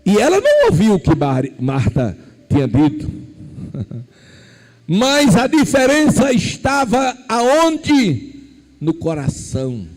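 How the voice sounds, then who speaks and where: Man, pastor, sermon, high pitched, deliberate pace. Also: poor audio. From Brazil. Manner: animated storytelling preaching, swinging from quiet asides to shouted emphasis.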